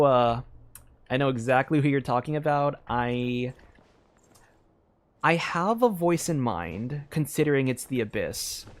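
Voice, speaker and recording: A man chatting casually as a game streamer, explaining things in a hesitant, rambling way full of fillers. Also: medium pitch. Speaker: streamer playing a game and voicing its dialogue. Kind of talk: casual livestream chat. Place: room at home.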